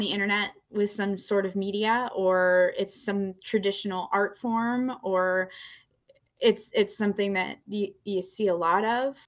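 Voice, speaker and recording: A woman with a plain, everyday voice talks at a moderate pace, medium in pitch with fairly even intonation, on a very clean recording with a silent background. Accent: American. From rural Western Pennsylvania. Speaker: podcast co-host, artist and small business owner. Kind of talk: casual chat.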